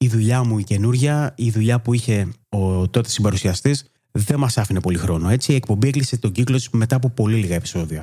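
A man with a dark, mellow, somewhat breathy tone speaks fairly quickly at a medium pitch, with very even loudness and ordinary pitch variation. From Greece, Piraeus. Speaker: podcast host. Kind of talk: monologue introduction.

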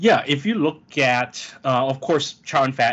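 A man talks in an American accent, his pitch sitting in the middle range. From US West Coast. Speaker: film writer and magazine editor. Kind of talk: casual chat. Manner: fast talker.

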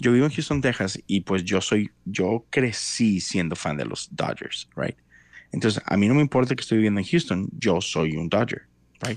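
A man's an unremarkable speaking voice, fairly low in pitch, with lively intonation, a moderate pace and a quiet background. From Mexico, Monterrey. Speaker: podcaster. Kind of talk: casual debate.

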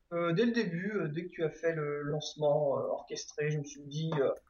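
This is a normal speaking voice at a fairly slow pace. Its pitch varies in an ordinary way. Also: man. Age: 20s. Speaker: entrepreneur. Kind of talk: interview.

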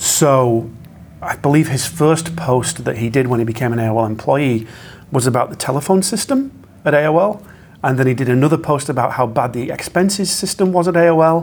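Speaking at a moderate pace, a man uses lively intonation and a fairly high pitch. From Yorkshire, England. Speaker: SEO specialist. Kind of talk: podcast interview.

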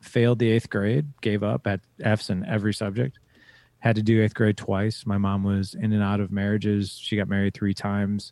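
A man with a fairly low pitch and a dark, mellow tone speaks at a moderate pace, recorded in a dry, close sound with no echo on a very clean recording with a silent background. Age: 40s. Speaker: podcast host and men's mentor, guest. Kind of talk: interview conversation.

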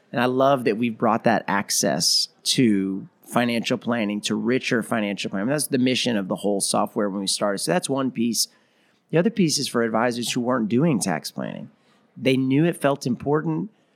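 A man with a medium pitch speaks in an ordinary speaking voice at a moderate pace with lively intonation, on a very clean recording with a silent background. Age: 30s. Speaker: tech company executive. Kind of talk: interview. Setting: live at a conference.

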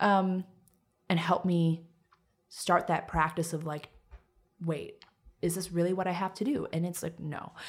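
In a very clean recording with a silent background, a woman with a fairly low, somewhat breathy voice talks at a moderate pace with fairly even intonation and long, frequent pauses. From Minnesota, US. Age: 20s. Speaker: hand lettering artist and leadership educator. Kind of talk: casual interview.

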